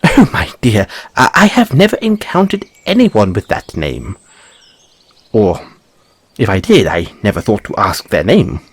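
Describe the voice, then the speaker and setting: A man's voice: lowish voice, huge pitch swings, unhurried, breathy edge, no room sound, exaggerated voice. A man voicing a curious, fussy white rabbit boy in a fantasy audio roleplay, musing theatrically with quaint, questioning phrasing. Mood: flustered, astonished.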